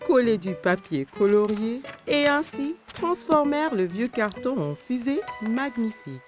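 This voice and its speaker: A woman's voice: a little high, big pitch swings, unhurried, over music. A woman narrating a scripted children's story in a cartoon.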